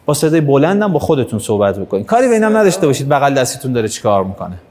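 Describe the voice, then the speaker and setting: A man's voice: mid-range voice, sing-song, a little mellow, big-room sound. Man coaching a workshop crowd. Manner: direct, coaxing, urges the audience on. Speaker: workshop trainer. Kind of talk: live workshop teaching. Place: hall with an audience.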